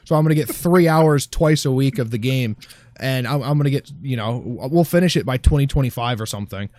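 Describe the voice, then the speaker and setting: A man's voice: medium pitch, a little fast, a little mellow, no echo. Man, gaming podcast co-host, grumbly, swears a lot, dry close mic. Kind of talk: casual gaming chat.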